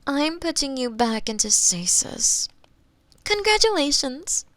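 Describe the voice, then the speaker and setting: A woman's voice: high voice, big pitch swings, no echo, heavily acted. A woman playing a gleeful, coolly clinical female mad scientist in a scripted ASMR roleplay, musing with relish close to a binaural microphone. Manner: unhurried, musing, relishing, with soft breathy hums and sighs. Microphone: close binaural microphone, dry.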